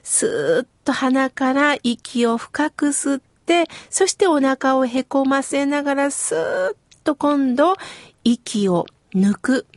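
A middle-aged woman from Kitakyushu giving gentle, slow, explanatory advice in a scripted talk. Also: high-pitched, no room sound. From Kitakyushu, Japan.

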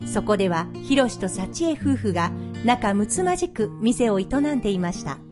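A woman's voice: mid-range voice, lively intonation, normal speed. A woman reading a scripted story narration. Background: guitar music.

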